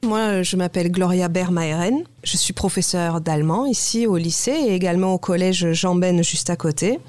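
A woman's voice: on the low side, moderate pace, darkish tone, dry recording. A woman from Germany who teaches German, answering interview questions in an articulate, composed way.

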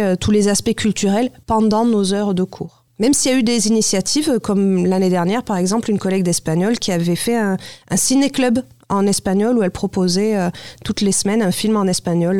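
A woman's voice: medium pitch, warm tone, dry recording, clean studio sound. A woman from Germany who teaches German, answering interview questions thoughtfully and searching for words. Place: high school.

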